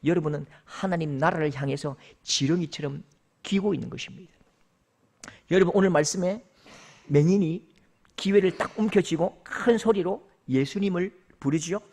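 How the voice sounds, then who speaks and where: A man's voice: on the high side, moderate pace, darkish tone. A man preaching a sermon as pastor, emphatic, calling out scripture and acting out voices.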